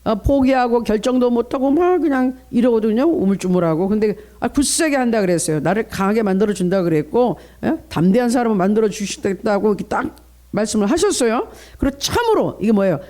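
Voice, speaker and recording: A man's voice: sits high, lively intonation, fast, dark tone. A middle-aged male pastor preaching at a dawn prayer service, earnest, coaching the congregation in how to pray and asking for their responses.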